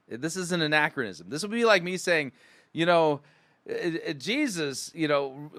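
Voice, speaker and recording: A man's voice: a little high, fairly bright tone, no room sound. A middle-aged man giving mocking, sarcastic commentary as a critic, often acting out mock quotes. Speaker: host of a sermon critique show. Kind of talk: mocking commentary on played sermon clips.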